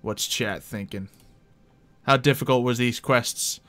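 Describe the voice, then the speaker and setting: A man's voice: medium pitch, measured pace, fairly bright tone. A man chatting casually as he runs a tabletop roleplay game as game master.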